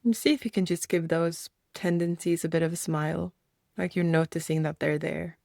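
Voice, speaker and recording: A woman leads a guided meditation in a slightly low voice. She phrases things as gentle invitations and leaves reflective pauses between them. The sound is very dry, with no room around it. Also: fairly even intonation, vocal fry, no echo.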